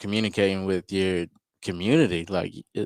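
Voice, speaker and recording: Soft-spoken and very deep, low in pitch, a man talks at a moderate pace in a dry, close sound with no echo, on a very clean recording with a silent background. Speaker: barber student and youth coach. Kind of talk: interview. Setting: podcast studio. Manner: soft-spoken, laid back.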